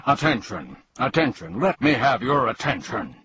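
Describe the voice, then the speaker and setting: A man's voice: medium pitch, sing-song, takes it slowly, husky, highs cut off, heavily acted. A man voicing an imperious but melancholy king in a storybook, declaiming in a regal manner. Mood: commanding. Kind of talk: storybook character reading.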